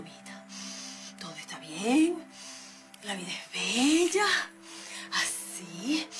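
An actress playing a flustered, stressed woman with a Venezuelan accent in a TV comedy-drama. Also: fairly high pitch. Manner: flustered and exclamatory, talks herself calm. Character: frazzled woman on New Year's Eve.

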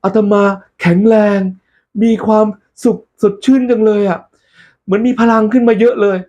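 A man voicing a kindly, cheerful male monk in a told story, exclaiming with hearty, drawn-out words. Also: sits high, steady tone, a little mellow, muffled recording, pitched above the performer's own voice. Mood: delighted. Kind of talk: storytelling role-play.

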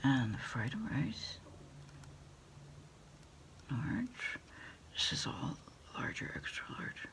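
A middle-aged woman in a quiet ASMR roleplay, speaking haltingly and hushed as she takes a takeout order over the phone. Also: extremely low pitch, big pitch swings, creaky. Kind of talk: ASMR roleplay, whispered one-sided phone conversation.

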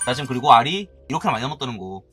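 A man doing excited commentary as a gaming YouTuber, shouting and groaning as he opens eggs, with mock-formal asides. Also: medium pitch, rapid-fire, faint music behind. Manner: animated, shouts and groans while opening eggs.

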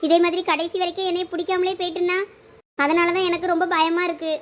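A chatty, fretful young village wife, played by a woman in a family comedy skit. Her voice sits very high and the words tumble out fast and animated. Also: a little hiss or hum. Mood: pleading. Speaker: skit actor playing a young wife and her sister-in-law.

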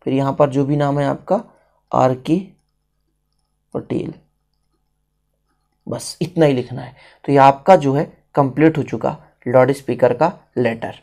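This is an Indian man giving a step-by-step writing lesson. He speaks very slowly at a middling pitch. He repeats phrases, spells words out and moves between languages to explain them. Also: steady tone, dark tone. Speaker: teacher.

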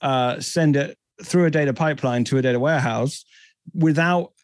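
A man's voice: fairly high pitch, moderate pace, dry recording, clean studio sound. A man in his thirties with a British accent, a guest explaining technology fluently in a podcast interview over a headset from a home office. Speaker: guest, tech company CEO.

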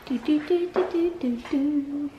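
A young woman narrates a casual walk-through vlog with a camera at arm's length. She talks slowly, a little high, and giggles between remarks. Bare, echoey rooms ring around her voice. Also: dull audio, noisy background. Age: young adult. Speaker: vlogger. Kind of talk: casual vlog, house tour. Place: car, then empty house with bare rooms. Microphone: handheld camera at arm's length.

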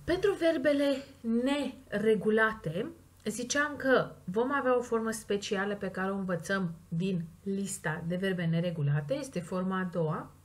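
A woman with a Romanian accent, teaching English grammar and stressing the example words slowly and clearly. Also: mid-range voice. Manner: slow, stressed model words between quick explanations. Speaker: language teacher. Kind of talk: explaining grammar in a recorded lesson.

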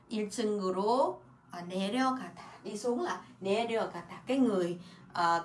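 A woman teaching a Korean grammar lesson in a casual way, explaining in Vietnamese and repeating Korean words and example sentences in quick bursts. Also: medium pitch, sharp tone, echoey room. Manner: refers to herself by her own name and as teacher.

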